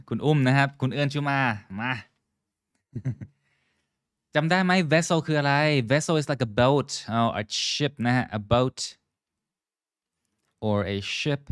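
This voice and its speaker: Guy running a live english class, slow careful talk, crisp clear voice, greets viewers, mixes in thai. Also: medium pitch, dry recording, studio quality. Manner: switches between English and Thai, drills pronunciation, greets viewers by name. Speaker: English teacher. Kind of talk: live online English lesson, mixing Thai and English.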